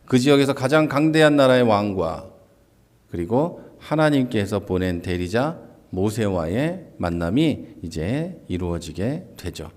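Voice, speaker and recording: A man's voice: fairly low pitch, very animated, unhurried. A man giving a church Bible class lecture, explaining step by step and acting out quoted lines in a livelier voice. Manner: explains step by step, often starting a point with "자".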